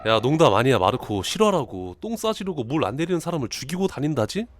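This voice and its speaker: A man's voice: mid-range voice, sing-song, fast talker, natural voice. A man reading the lines of a laid-back, shady male game character who keeps clogging the toilet. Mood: urgent.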